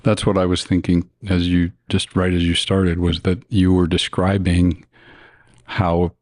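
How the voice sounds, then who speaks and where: An American man in thoughtful casual conversation, affirming others and piecing his sentences together haltingly. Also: sits low, monotone, a little mellow, no room sound. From United States.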